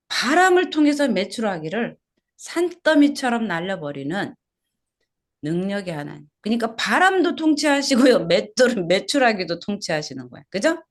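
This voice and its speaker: A woman's voice: mid-range voice, big pitch swings, a little slow, pauses often. A woman pastor preaching an expository sermon at a small church service, asking the congregation questions and repeating key words.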